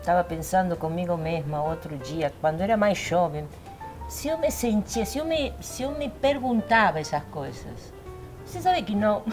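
An older woman, a native Spanish speaker with an Argentine accent, talking as a guest on a panel show. She is reflective, laughs at herself and jumps high in pitch when she gets animated. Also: moderate pace, music in the background. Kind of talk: casual talk-show conversation. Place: living-room studio set.

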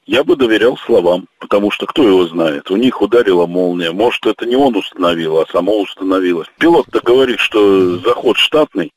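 A man's voice: lowish voice, low-quality recording. A man giving blunt, sceptical interview commentary as an aviation safety expert.

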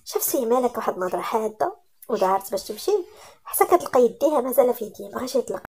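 A woman's voice: fairly high pitch, very animated, rapid-fire, darkish tone, slight background noise. A woman with a Moroccan accent narrating a romance story and speaking directly to her listeners.

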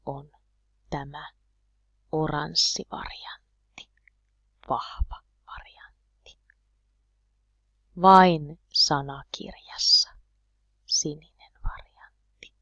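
Slow, deliberate low-voiced woman teacher. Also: steady tone, fairly bright tone, dry recording, whispered, muffled recording. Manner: slow, deliberate, repeating words clearly for learners. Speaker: Finnish language teacher. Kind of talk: slow language lesson.

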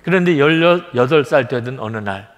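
A man's voice: medium pitch, lively intonation, moderate pace. A middle-aged man preaching a sermon as a pastor, speaking earnestly to his congregation. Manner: earnest preaching, acts out a child's plaintive voice in quotes. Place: large church sanctuary. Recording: long church hall reverb.

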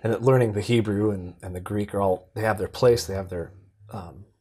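A young man interviewing a pastor in a studio, speaking in measured phrases on a lapel mic. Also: on the low side, fairly even intonation, mellow, slightly rough. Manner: measured, frequent brief agreement. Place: studio set with bookshelves.

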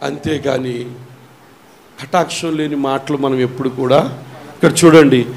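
A middle-aged man with a Telugu accent, a pastor preaching a sermon, dropping to quick low asides and rising to loud shouted declarations. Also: steady tone, slight background noise.

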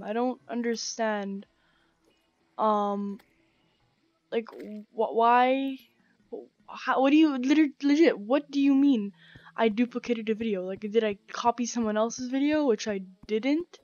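A young woman talks through her gameplay in a casual, rambling way, dropping slang and plenty of ums. Her voice sits a little high and sounds croaky from a sore throat. The recording is dry and slightly dull, close on a headset mic. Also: unhurried, darkish tone, no echo. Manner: chatty, rambling, slangy with many fillers. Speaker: gaming channel host. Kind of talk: casual let's-play commentary. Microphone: gaming headset.

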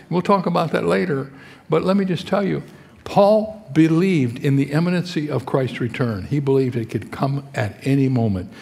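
An older man preaching in a conversational, storytelling way, tossing rhetorical questions to his congregation. His voice sits at an ordinary middle pitch. It rings with the long reverb of a big hall. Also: a little mellow. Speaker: pastor. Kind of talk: sermon.

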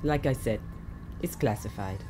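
A woman playing an excitable, guarded chief scientist in an audio drama, precise and theatrical. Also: rumbling low, normal speed, noisy background.

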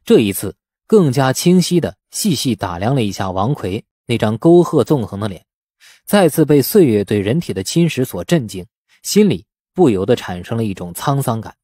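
A male audiobook narrator with a mellow, warm tone and a medium pitch. He reads fiction dramatically, with lively intonation, in a dry, close recording. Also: moderate pace, no echo. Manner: expressive storytelling. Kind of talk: dramatic scripted narration of a novel.

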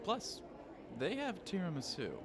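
A young man acting a cocky, theatrical high school boy playing Romeo, flippant and melodramatic, in a comedic audio drama. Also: big pitch swings, a little slow, noisy background. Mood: eager, scheming. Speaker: actor.

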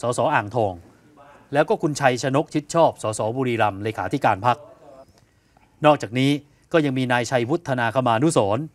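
A man co-hosts an evening news program from a television studio, unpacking political events in a lively, conversational way. He poses rhetorical questions and acts out what other people said. His voice sits at a medium pitch and moves at a normal speed.

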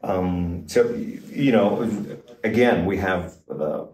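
An older man, a guitar expert guest, explaining in a casual, halting way with many fillers and restarts, in a small backstage room. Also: low voice, a little mellow, far from the mic. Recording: roomy, off-mic, faint noise.

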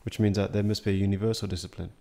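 Low, mellow young man thinking aloud. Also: little pitch movement, racing, creaky. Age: young adult. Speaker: podcast guest. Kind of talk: casual podcast chat. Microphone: studio mic on a boom, headphones.

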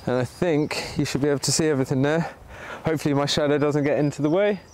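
A man's voice: a little high, fairly even intonation, quick pace, a little mellow, slight background noise. A man hosting a bushcraft livestream outdoors in the woods, chatting casually with viewers while he demonstrates. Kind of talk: casual live commentary while working. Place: sunny woodland outdoors. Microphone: camera pointing down at his hands.

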